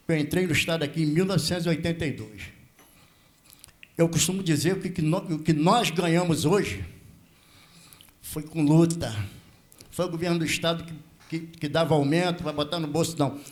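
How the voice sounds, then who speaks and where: An elderly Brazilian man with a slightly high voice addresses a legislative hearing. He speaks as a veteran officer from the floor, formally and deferentially, stopping and repeating himself as he builds his points. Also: moderate pace, long pauses. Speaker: veteran prison officer speaking as a member of the public. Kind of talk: impromptu speech at a legislative hearing.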